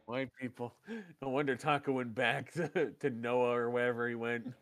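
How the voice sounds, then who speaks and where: A man's voice: medium pitch, flat delivery, moderate pace, a bit bright. A man co-hosting a casual wrestling recap podcast, bantering loosely, laughing often and swearing freely. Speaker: podcast co-host.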